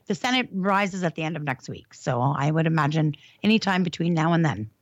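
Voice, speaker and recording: Lowish woman on a dull call line. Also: lively intonation, a little fast, no echo. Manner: matter-of-fact explaining. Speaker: podcast co-host. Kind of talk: casual talk show discussion. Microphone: video call. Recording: slightly dull video call audio.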